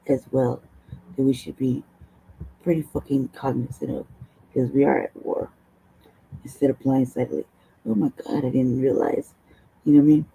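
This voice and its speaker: A woman host with a low, hoarse voice, chatting casually at a desk mic, rambling, laughing often and swearing. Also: dark tone, poor audio. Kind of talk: casual livestream talk.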